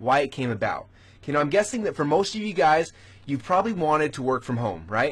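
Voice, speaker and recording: At a very fast pace, a man talks in an animated tone with lively intonation. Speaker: online marketing coach. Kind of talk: webinar sales pitch. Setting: webinar.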